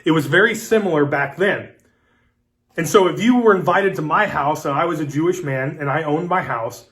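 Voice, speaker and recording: A man in his thirties giving a midweek devotional sermon as pastor, talking in a relaxed, conversational, storytelling way with casual fillers. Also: on the high side. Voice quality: conversational, storytelling delivery with acted-out dialogue. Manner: relaxed, folksy preaching with fillers like "like" and "listen".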